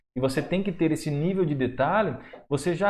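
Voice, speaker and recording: At a fairly quick pace, a man talks in a fairly high pitch with lively intonation. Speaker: software instructor. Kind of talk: tutorial. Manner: fast.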